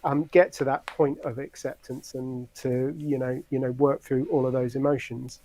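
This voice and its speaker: A man speaking as an interview guest in a thoughtful, measured way, with hedging fillers. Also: mid-range voice, little pitch movement, dark tone, low-quality recording. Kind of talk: conversational interview.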